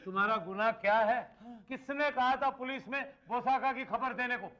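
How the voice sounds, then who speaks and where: A man's voice: very high-pitched, moderate pace, lo-fi sound, heavy background noise. An actor playing a hot-tempered male bully who barks orders and blusters angrily. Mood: angry. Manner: barking orders, angry, blustering. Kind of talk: TV drama acting. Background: loud background music.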